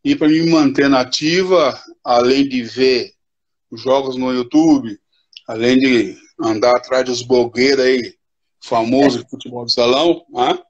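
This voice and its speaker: An older man speaks slowly and reflectively, tagging his thoughts with little questions. His voice is husky and sits in a middle range. The sound comes through a dull, lo-fi video-call line. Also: medium pitch. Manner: reflective, unhurried, with repeated "né?". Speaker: futsal coach, guest. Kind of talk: casual live interview chat.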